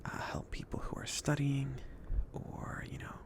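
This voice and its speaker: A man playing a chill, considerate mage in an ASMR fantasy roleplay, speaking softly in a casual, hesitant, reassuring way. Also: medium pitch, fairly even intonation, unhurried, lightly acted. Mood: calm, explaining. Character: chill, considerate mage sending an apprentice on errands.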